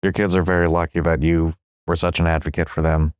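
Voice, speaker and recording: A man's voice: low voice, little pitch movement, fairly quick, clear, resonant tone, no room sound, clean studio sound. A man interviewing a guest, polite and appreciative as he wraps up. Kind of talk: interview wrap-up.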